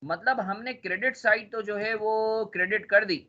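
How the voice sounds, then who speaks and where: A man with a high, bright voice teaches accounting to a class. He has a sore throat and keeps quizzing his students with playful repeated questions. The recording sounds dull and lo-fi. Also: normal speed.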